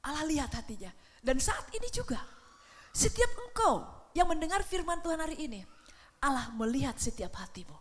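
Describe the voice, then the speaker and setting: A middle-aged woman preaching a sermon in a church, swinging between hushed whispers and shouts. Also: high voice, big pitch swings, fairly quick, in a large hall.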